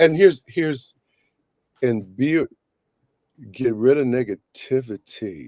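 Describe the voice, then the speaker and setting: Very slow speech from a man at a medium pitch, lively intonation, and long, frequent pauses. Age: 70s. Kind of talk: casual chat. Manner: animated.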